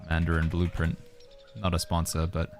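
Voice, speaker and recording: Man, streamer, casual chat, very low voice, hedging asides, faint music behind. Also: normal speed. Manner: relaxed, reads viewer questions aloud and muses with hedging asides. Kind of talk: casual livestream chat while playing.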